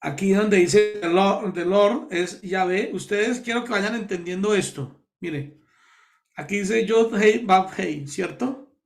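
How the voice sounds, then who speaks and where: A pastor from Colombia leading a Bible study, explaining words slowly and repeating key terms to his listeners. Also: sits high, gravelly, faint music behind.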